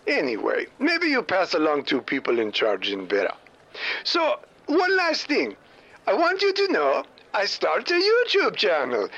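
A brash comic caller from overseas, as a man puts him on, cracks cheeky deadpan jokes in broken grammar. His high, bright voice swoops all over. It comes through as a dull, lo-fi voicemail message played back. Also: exaggerated voice.

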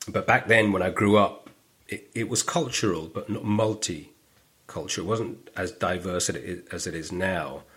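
Guesting on a podcast, this middle-aged comic speaks in a low, husky voice with a northwest London accent, keeping to a moderate pace. His casual storytelling is animated, and he often performs other people's lines himself.

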